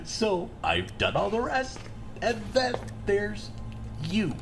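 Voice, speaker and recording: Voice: mid-range voice, wildly swooping pitch, takes it slowly, heavily acted. An actor in an audio drama playing a chatty, self-righteous serial killer who believes angels guide the work, with a breezy, casual manner. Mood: breezy, boastful. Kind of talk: full-cast audio drama acting. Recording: faint background noise and ambience.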